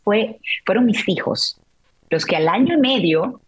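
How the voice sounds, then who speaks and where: A woman's voice: medium pitch, expressive, a little slow, slightly rough. A middle-aged woman, a guest on an interview show, telling a personal story in an emotional, reflective way and often restarting her sentences.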